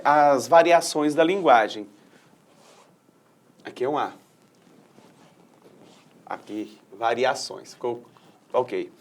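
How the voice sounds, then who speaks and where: A man with a Brazilian Portuguese accent, teaching an adult-education lesson in an explanatory way and often checking in with tag questions. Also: on the high side.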